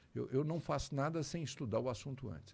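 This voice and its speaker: Over background music, a man speaks at a fairly high pitch. His pace is fairly quick, with ordinary pitch variation. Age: 70s. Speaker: mayoral candidate. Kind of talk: interview.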